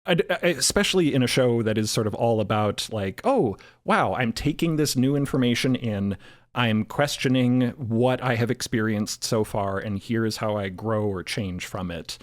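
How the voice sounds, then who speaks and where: A man's voice: mid-range voice, moderate pace. A man speaking reflectively on a roundtable, searching for his phrasing as he thinks aloud. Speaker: podcast co-creator, panelist.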